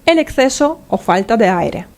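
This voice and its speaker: A woman's voice: a little high, sing-song, moderate pace. A woman singing teacher explaining vocal technique step by step and checking in with the listener.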